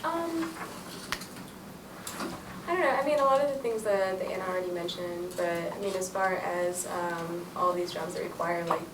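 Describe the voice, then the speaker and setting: A woman's voice: fairly low pitch, moderate pace. A young woman, a doctoral fellow, talking in a rambling, filler-heavy way during a group discussion. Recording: distant, roomy, loud background noise.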